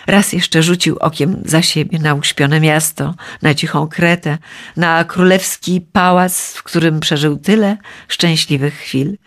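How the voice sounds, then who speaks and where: A woman's voice: low voice, steady tone, measured pace. A woman narrating a myth for children, reading aloud expressively. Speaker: storyteller.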